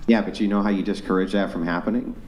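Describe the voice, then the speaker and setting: Lowish-voiced argumentative man in his forties. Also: fairly even intonation, fast talker, darkish tone, echoey room, low-quality recording. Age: 40s. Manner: argumentative, persistent questioning. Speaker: panel guest. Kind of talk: heated debate.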